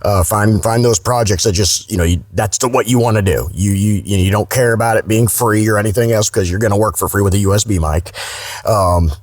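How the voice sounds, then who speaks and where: A man's voice: lowish voice, a little fast, no echo. A man being interviewed casually as a voice actor guest, speaking in a blunt, salty, informal way.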